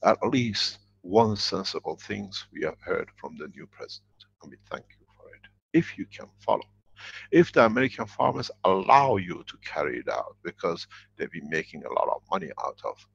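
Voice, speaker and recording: A man's voice: low-pitched, sing-song, normal speed, vocal fry, fairly bright tone, husky, dry recording. A man giving a workshop lecture, speaking emphatically and repeating his key phrases. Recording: dull lo-fi recording.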